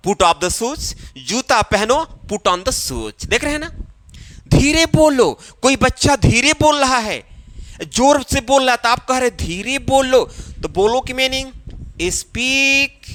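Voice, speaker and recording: A man with a Hindi-influenced English accent, teaching spoken English in a slow classroom style and repeating phrases as he drills them. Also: very high voice, a bit bright. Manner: repeats phrases slowly, drawing out English words.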